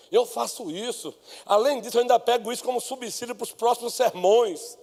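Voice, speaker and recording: A man with a Brazilian Portuguese accent, a pastor preaching an expository sermon, moving from soft asides to shouted exclamations and leading his congregation in reading together. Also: sits high. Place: church sanctuary. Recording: long reverb of a church hall.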